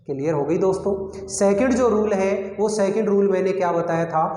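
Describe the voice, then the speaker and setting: A man's voice: high voice, moderate pace, dark tone. A male teacher giving a grammar lesson, asking questions and answering them himself, repeating key words. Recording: echoey room with long reverb.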